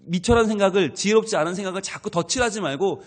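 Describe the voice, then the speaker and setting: A male pastor delivering an early-morning sermon, animated and expressive, voicing a doubter and a believer in turn as he explains the scripture. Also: high voice, fast, big-room sound. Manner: animated preaching, acting out skeptic and believer voices. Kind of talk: dawn prayer sermon. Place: church sanctuary.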